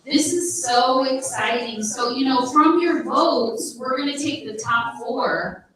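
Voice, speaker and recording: A woman's voice: sits high, takes it slowly, a bit bright. A woman facilitating a live workshop, upbeat and encouraging, repeating instructions to the crowd. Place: large conference room. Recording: echoey room, voice from far off.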